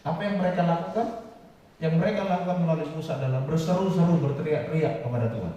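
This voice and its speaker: Man preaching in a booming echoey church. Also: fast talker. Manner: rising to loud high-pitched emphatic preaching, asks the congregation questions. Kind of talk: sermon. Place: large church hall. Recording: echoey hall from far off.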